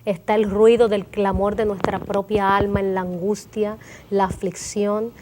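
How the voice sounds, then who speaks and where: A woman's voice: medium pitch, little pitch movement, unhurried, mellow, slight background noise. A woman telling an emotional story of prayer and a vision as a guest on a Christian talk show, quoting her own prayers.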